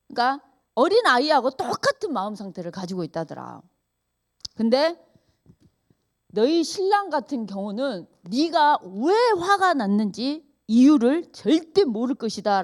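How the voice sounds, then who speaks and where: A middle-aged woman, a pastor's wife telling stories in a church message, animated and laughing often as she acts out dialogue. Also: fairly high pitch. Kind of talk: storytelling sermon. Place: church service.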